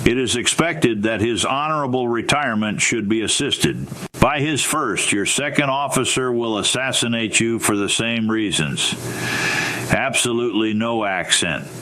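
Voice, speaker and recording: A man calling in to a live stream, teasing the host in a deadpan, mock-earnest way. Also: mid-range voice, moderate pace, poor audio. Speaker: call-in prankster.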